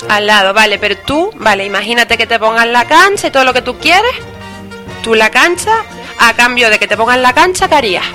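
Radio co-host, fairly high voice, says vale a lot while summing things up. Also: female voice, animated, a little fast, bright, forceful tone, soft background music. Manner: sums up answers, many "vale"s. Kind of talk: local radio chat.

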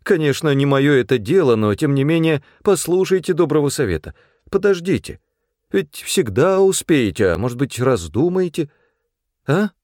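Man reading as pitying middle-aged woman clerk, raised soft coaxing voice, dry sound. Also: a little high, big pitch swings, moderate pace, no echo, voice pushed up. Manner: coaxing, gently pleading.

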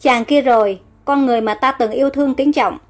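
A woman's voice: high voice, a little fast, soft background music, lightly acted. A woman voicing a young queen who sounds fretful and heartbroken. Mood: anguished.

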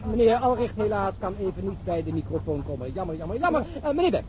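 A man's voice: sits high, very animated, fast. An actor playing a catty, gushing male radio reporter who addresses listeners in an arch, confidential way in a radio drama. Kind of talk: radio drama parody of live outside-broadcast commentary. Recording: dull, noisy old radio drama recording.

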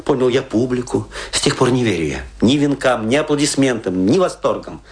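A man playing a disillusioned, drunken provincial stage actor, self-mocking and brooding, in a theatrical radio drama monologue that rambles with pauses. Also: mid-range voice, animated, breathy edge. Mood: bitter, anguished.

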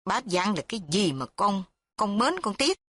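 A woman reading a story voices a gruff, scheming older father who scolds. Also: mid-range voice, sing-song, normal speed, fairly bright tone, no room sound. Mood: hushed scheming.

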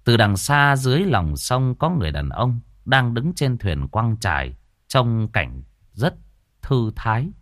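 A man narrating a comic ghost story in a colloquial, lively manner. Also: medium pitch, a little slow, no echo, studio quality.

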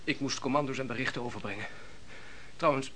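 An actor playing an exhausted young shepherd turned soldier in a Dutch radio play, deferential, halting and reflective. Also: male voice, mid-range voice, bright, forceful tone, a little hiss or hum, lightly acted. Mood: weary, deferential. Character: weary young male shepherd turned soldier, honest, haunted.

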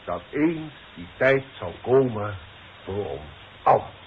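Solemn, paternal boss for 1960s radio play: slow, swooping oratory, dull vintage recording. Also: male voice, fairly low pitch, animated, a little hiss or hum. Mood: solemn, proud. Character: formal, paternal boss giving a ceremonial farewell speech. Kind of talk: 1960s radio drama acting.

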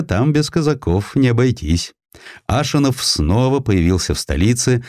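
A man's voice: lowish voice, a little mellow, no echo, clean studio sound. A man narrating a historical story as a dramatised audiobook, reading from a script.

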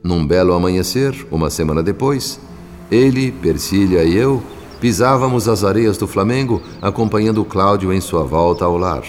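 Radio drama narrator: man as formal, solemn storyteller, deep register, reverberant with soft music behind. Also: normal speed, lightly acted. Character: solemn male spirit narrator. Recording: long reverb, music underneath.

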